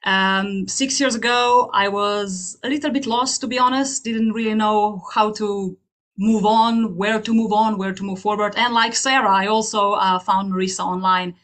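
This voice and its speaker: A woman's voice: medium pitch, fairly even intonation, moderate pace, a bit bright. A woman from Slovenia with a Slovenian accent, giving a personal testimonial as a therapist in an earnest, emphatic way, often repeating phrases. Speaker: hypnotherapist speaking at an open house. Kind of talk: personal testimonial to an online audience.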